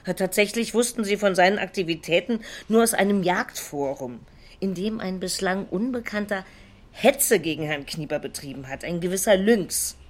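A woman plays a persistent, composed female police investigator in a crime radio drama. She questions in a measured, formal way and keeps probing, with a voice of middling pitch. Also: natural voice. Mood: probing, controlled.

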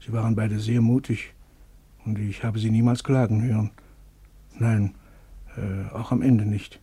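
An actor playing a broken, gentle camp survivor in a radio drama, speaking haltingly in a rough voice. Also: male voice, fairly low pitch, level tone, dry recording, heavily acted. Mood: grave, reflective. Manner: hesitant, halting, faltering.

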